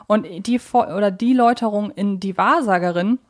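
A woman's voice: mid-range voice, fairly quick. A woman co-hosting a podcast, discussing things casually and conversationally with emphatic wording. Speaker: podcast co-host.

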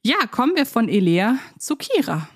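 Woman on a podcast, voice a bit high, chatty n enthusiastic, casual talk. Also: very animated, moderate pace. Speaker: podcast co-host.

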